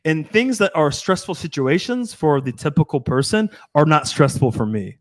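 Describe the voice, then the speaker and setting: A man's voice: fairly high pitch, expressive, moderate pace, no room sound. A man in his thirties, a dating coach, talking casually and at length on a podcast, swearing often and restarting his sentences. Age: 30s. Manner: rambling, profane, restarts often.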